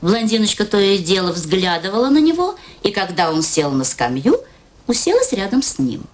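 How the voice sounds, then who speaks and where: A woman narrating a literary story in a radio play, in an expressive storytelling manner. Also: mid-range voice, moderate pace, close to an everyday voice. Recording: radio play with music underneath.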